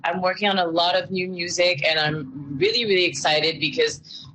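A woman's voice: on the low side, steady tone, moderate pace, a bit bright, low-quality recording. A woman musician talking enthusiastically in a casual interview at a festival, rambling with restarts. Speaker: musician guest. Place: outdoor festival, in a small shelter.

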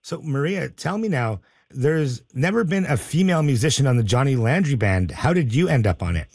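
A man's voice: mid-range voice, lively intonation, a little fast, darkish tone, no echo, studio quality. A man interviewing a musician, asking loose, rambling questions filled with fillers. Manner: rambling questions full of likes. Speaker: radio interviewer.

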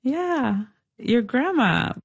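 A woman hosting an interview, asking gentle and attentive questions. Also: sits high, lively intonation, extremely slow, slightly rough, highs cut off. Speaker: host.

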